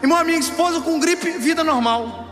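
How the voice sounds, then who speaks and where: A pastor in his thirties preaches with a light, high voice, swinging from playful asides to near shouts. His words ring out through a large hall with long reverb. Music plays clearly underneath. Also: fairly quick. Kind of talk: sermon.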